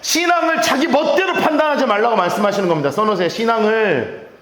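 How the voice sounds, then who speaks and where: A man preaching a sermon as pastor, playful and animated, acting out little scenes as he teaches. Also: high voice, quick pace, echoey room. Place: church.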